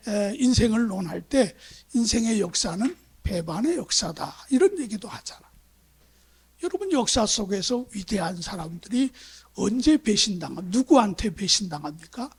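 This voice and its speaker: Very animated and husky, his high voice moving at a moderate pace, a pastor from South Korea's Chungcheong region delivers a storytelling-style sermon in the sanctuary, asking his congregation rhetorical questions conversationally.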